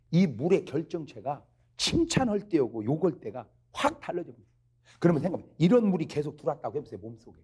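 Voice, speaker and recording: A man preaching a lively revival sermon, asking the congregation questions and climbing to emphatic peaks. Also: medium pitch, husky. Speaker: pastor. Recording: archival broadcast of a revival meeting.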